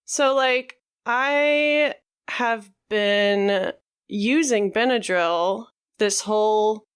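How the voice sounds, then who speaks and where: A woman co-hosting a podcast, talking frankly in a halting way with many fillers. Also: medium pitch, clear, resonant tone. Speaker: podcast co-host. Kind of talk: candid conversational podcast talk.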